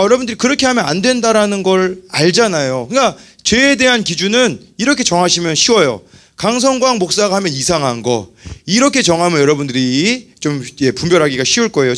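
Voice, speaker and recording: A man in his thirties preaching a youth worship sermon as pastor, animated and acting out little quoted scenes. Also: a little high.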